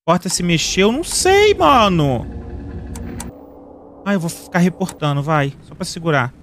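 A young man with a Brazilian Portuguese accent doing let's play commentary as a streamer, reacting with excitable, panicky exclamations directed at his chat. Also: high-pitched, measured pace, slight background noise. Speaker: gaming streamer.

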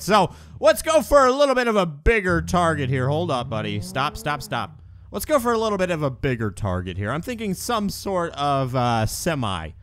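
A young man giving casual gameplay commentary, excitable and laughing, bursting into shouts at the action, with the hiccups. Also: medium pitch, no echo. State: has the hiccups. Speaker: gaming YouTuber.

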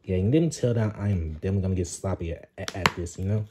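A man hosting a casual unboxing vlog, talking haltingly with many repeated words and fillers. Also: low voice, very noisy. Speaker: vlogger.

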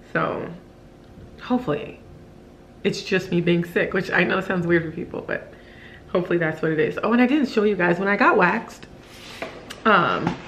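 Tired, low-voiced woman vlogging at home. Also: a bit bright, dull audio, a little hiss or hum. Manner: low-energy, tired, rambling with fillers. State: drained, low energy. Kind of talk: casual chat to camera. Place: home kitchen, indoors.

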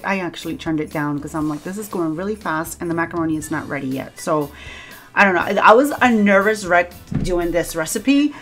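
A woman's voice: sits low, a bit bright. A woman with a Cuban accent, talking casually through a home cooking vlog, chatty and self-deprecating and laughing often. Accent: Cuban Spanish. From Cuba. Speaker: cooking vlogger. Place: home kitchen.

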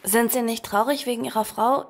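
Actress as high-voiced, earnest frightened girl. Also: steady tone, a little fast, slight background noise, lightly acted. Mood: timid, weary. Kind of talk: horror audio drama, narration and dialogue.

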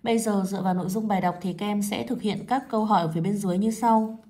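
Woman teacher, mid-range voice, clear, patient read-aloud delivery for children. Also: mid-range voice, warm tone. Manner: slow, measured reading of poem and story, careful phrasing. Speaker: primary school teacher.

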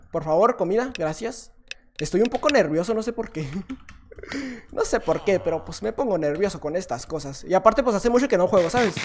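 Excitable Mexican gamer guy commentating. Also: sits high, a little hiss or hum. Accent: Mexican Spanish. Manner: chatty, self-mocking, bursts into excited shouts. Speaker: gaming YouTuber. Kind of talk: live gameplay commentary.

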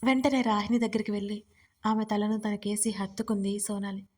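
A woman's voice: medium pitch, level tone, fairly quick, a little mellow. A woman narrating an emotional audio story, raising her force for the characters' tearful lines. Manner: voices characters' crying lines with more force.

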